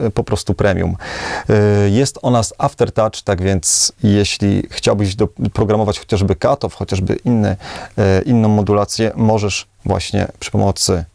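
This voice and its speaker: A man's voice: fairly low pitch, vocal fry, darkish tone, no echo. A man giving casual demo commentary as he reviews an instrument.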